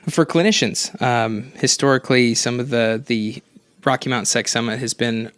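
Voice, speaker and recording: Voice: medium pitch, steady tone, moderate pace, a bit bright, no room sound. A podcast host interviewing a guest, encouraging and affirming, often laughing along.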